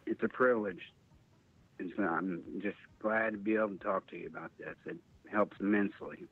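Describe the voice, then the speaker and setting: Low-voiced man on a phone line. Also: steady tone, moderate pace, slightly rough. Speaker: interview guest, witness. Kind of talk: hesitant casual personal account. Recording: thin phone-line sound.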